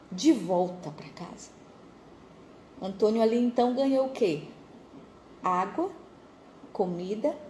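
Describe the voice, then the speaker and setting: A woman's voice: a little high, darkish tone, slight background noise, low-quality recording. A young woman with a Brazilian accent telling a religious parable and a personal story, chatting straight to her listeners. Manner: conversational, addresses listeners directly.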